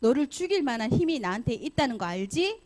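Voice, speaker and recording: A woman's voice: high voice, very animated, fast talker. A woman voicing an angry older man, a scheming uncle who scolds and accuses in a Sunday school Bible story. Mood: furious. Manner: shouting, scolding.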